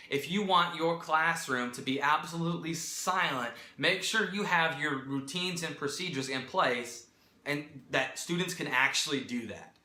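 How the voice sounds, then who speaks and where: A man who works as a teacher, clearly and methodically explaining how to give classroom directions. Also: on the high side, pushed and bright, roomy sound. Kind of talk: instructional talk to new teachers.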